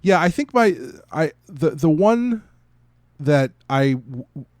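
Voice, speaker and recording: A man's voice: fairly high pitch, expressive, slow pace, a little mellow, no room sound, studio quality. A man co-hosting a podcast, giving a casual, conversational review. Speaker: podcast co-host.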